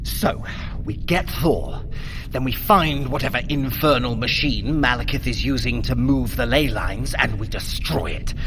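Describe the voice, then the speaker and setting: An actor playing a theatrical, sardonic and vengeful Norse god in an audio adventure, with grandiose, drawn-out delivery addressed to the listener. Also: male voice, mid-range voice, noisy background, lightly acted. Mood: resolute, vengeful. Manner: grandiose, dramatic, drawn-out delivery with mock-tender asides. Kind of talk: dramatised fitness audio adventure, speaking to the listener.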